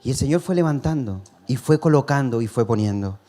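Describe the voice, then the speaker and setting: A man at the pulpit gives an earnest, personal testimony sermon. His voice sits at an ordinary middle pitch, and he addresses the congregation as brothers with the odd chuckle. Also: lively intonation, brisk, warm tone. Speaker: preacher.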